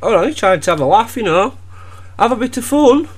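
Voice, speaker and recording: With a very high voice and a slightly fast pace, a Welsh gaming video creator, a young man, trolls his opponent through game voice chat. The mockery is deadpan and teasing, wrapped in a falsely innocent tone.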